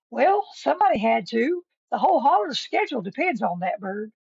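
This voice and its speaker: A woman performs a put-on character voice at a fairly quick pace. Her pitch is high and swings very widely. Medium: read story.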